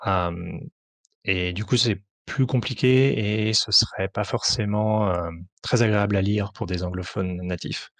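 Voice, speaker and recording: A man, a French-speaking tabletop game author, answering interview questions in a halting way with many fillers and restarts. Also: on the low side, dry recording.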